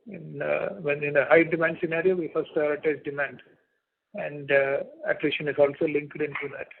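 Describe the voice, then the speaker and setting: A man answering analysts' questions as a company executive on an earnings call, in a halting, measured, deliberate way. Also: a little high, flat delivery, gravelly, slight background noise. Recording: muffled, lo-fi conference call audio.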